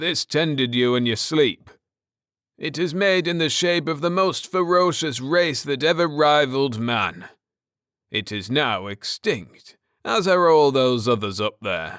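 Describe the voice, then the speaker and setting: A man puts on a gruff character voice, fairly high in pitch with lively intonation, speaking fairly slowly on a very clean recording with a silent background. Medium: read story. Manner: curt, snappish.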